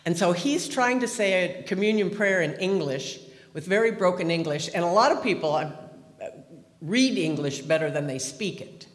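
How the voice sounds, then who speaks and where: Man around 70, a bit high voice, rambling humorous testimony, long reverb of a big hall. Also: animated, normal speed. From Pacific Northwest, USA. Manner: chatty, humorous, wandering with restarts. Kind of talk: personal testimony, storytelling.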